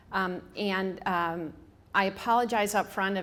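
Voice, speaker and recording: A woman with a strong Michigan accent speaks with a fairly low pitch. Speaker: hospice marketing executive. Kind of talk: public talk. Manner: halting, many fillers.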